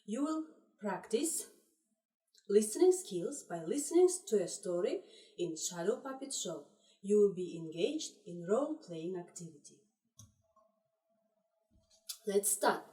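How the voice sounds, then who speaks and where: Woman, schoolteacher, lively pitch, slow careful delivery, mellow tone, echoey room, set back from the mic. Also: recorded from a distance. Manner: slow, deliberate, repeats words in three languages. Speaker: English teacher. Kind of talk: trilingual video lesson for children.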